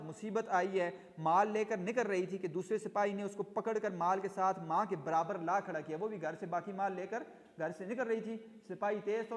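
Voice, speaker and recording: A male teacher reading a story aloud and explaining it line by line, glossing hard words as he goes. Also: high voice. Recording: long reverb in an echoey room.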